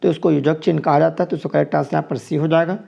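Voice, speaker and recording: A man with a deeply gravelly, dark-toned voice teaches a grammar exam class. He walks through each multiple-choice question, sits a little high in his pitch, and says each answer twice. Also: little pitch movement, racing. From Chhattisgarh, India. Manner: explains each answer step by step, repeating it. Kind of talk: exam question walkthrough lesson.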